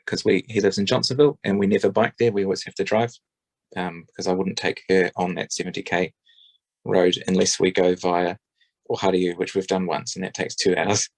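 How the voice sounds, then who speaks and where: A man's voice: deep voice, level tone, fairly quick, no echo, low-quality recording. A man giving a rambling, hesitant spoken submission at a public forum, with many ums and restarts. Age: adult parent.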